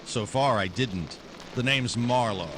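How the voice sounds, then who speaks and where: An actor playing a hard-boiled American private detective in 1940s noir radio style, wry, clipped and dogged. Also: male voice, medium pitch, unhurried, background noise, natural voice. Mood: pressing, tough. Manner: wry, clipped, tough-talking. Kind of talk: 1940s noir radio drama acting and narration.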